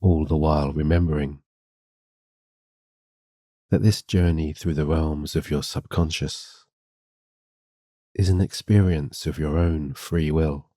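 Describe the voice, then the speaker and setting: Reading a hypnosis script for a guided sleep meditation, a man with a remarkably deep, mellow voice speaks gently and soothingly, guiding the listener calmly. He takes it slowly, leaving long pauses. The recording is close, dry, and free of echo.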